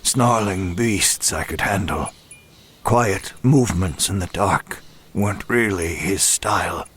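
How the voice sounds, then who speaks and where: A man playing a broken, self-loathing demon who narrates a horror audio drama in a grave, measured way. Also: low voice, a bit bright, slightly rough, heavily acted. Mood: wary, stunned. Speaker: first-person narrator.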